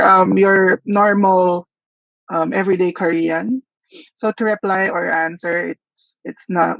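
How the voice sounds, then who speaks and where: Gravelly man presenting at a workshop. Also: high-pitched, no echo. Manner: thoughtful, hesitant, with frequent pauses. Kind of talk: conference presentation. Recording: dull lo-fi dry audio.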